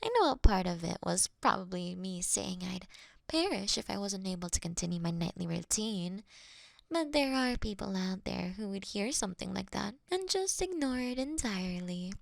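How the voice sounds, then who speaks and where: A woman's voice: mid-range voice, expressive, creaky, no echo. A woman playing a courteous, doting vampire in a scripted roleplay, speaking intimately and breathily, often slipping into a whisper. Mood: gentle, grateful. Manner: slow, intimate, gently theatrical. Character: female vampire, courteous, doting, wryly confessing to her sleeping prey. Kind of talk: scripted roleplay audio for one listener.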